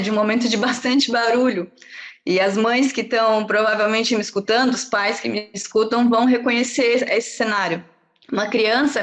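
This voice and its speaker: Reflective Brazilian woman reading her prose. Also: on the high side. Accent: Brazilian Portuguese. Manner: measured, reflective, with pauses between phrases. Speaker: medical student. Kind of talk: reading her own short prose piece aloud. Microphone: video call.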